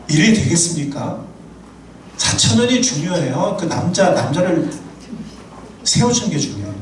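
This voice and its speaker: A male pastor preaching a sermon in a church, animated and humorous, telling personal anecdotes. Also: on the high side, noisy background. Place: church sanctuary. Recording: echoey hall from far off.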